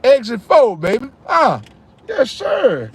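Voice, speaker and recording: A man's voice: extremely high pitch, huge pitch swings, slow pace, slightly rough. A man, chatting casually with viewers on a livestream and repeating himself often. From Charlotte, North Carolina. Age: 30s. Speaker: livestream host. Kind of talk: casual live chat reading comments.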